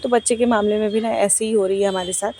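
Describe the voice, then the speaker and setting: Woman, vlogger, casual voice-over, chatty and rambling, medium pitch, faint background hiss. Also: fairly even intonation, warm tone, poor audio. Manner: chatty, rambling, talks fast.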